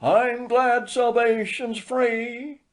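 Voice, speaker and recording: Man acting befuddled old country elder, pitched high. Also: level tone, exaggerated voice. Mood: jubilant singing. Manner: loud, drawn-out exclaiming.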